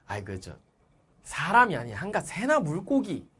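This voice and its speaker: A man reading as a hushed, scheming company manager. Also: fairly high pitch, wildly swooping pitch, normal speed, breathy edge, heavily acted. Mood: pressuring. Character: polite scheming middle-aged male labor manager.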